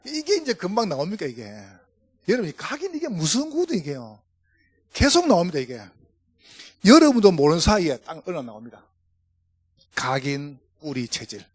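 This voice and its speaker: A middle-aged man with a Gyeongsang Korean accent, preaching a humorous sermon to fellow pastors with lively storytelling. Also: high-pitched, slightly rough, dry recording. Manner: storytelling, jokey, animated. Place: church.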